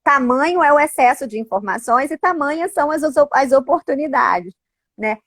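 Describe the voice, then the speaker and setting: A woman's voice: sits high, normal speed, no room sound, clean studio sound. A middle-aged woman, an educator and parent, talking casually and animatedly, often tagging her sentences with little questions. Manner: animated, frequent tag questions. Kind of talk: casual conversational talk.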